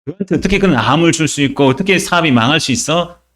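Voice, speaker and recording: A man's voice: on the high side, animated, rapid-fire, mellow, natural voice. A male pastor voicing a scornful unbelieving neighbor who taunts a churchgoer, inside a sermon. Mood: mocking. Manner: sneering, taunting.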